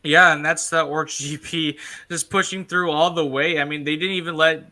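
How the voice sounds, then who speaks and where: Very bright-voiced esports color caster man. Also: a little high, fairly even intonation, normal speed. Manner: casual analysis with many "uh" fillers. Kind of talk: live esports commentary.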